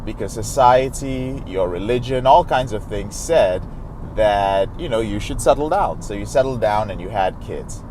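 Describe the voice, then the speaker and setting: A man's voice: fairly low pitch, expressive, normal speed, a little mellow, a little hiss or hum, poor audio. A man working as a recovery coach, giving earnest, direct advice to camera and calling his listeners brothers.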